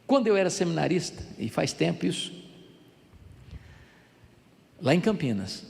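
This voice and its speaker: A man's voice: fairly high pitch, big pitch swings, moderate pace, vocal fry, a little mellow. An older man with a Brazilian Portuguese accent preaching a sermon as a pastor, telling stories with dramatic swings. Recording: echoey hall reverb.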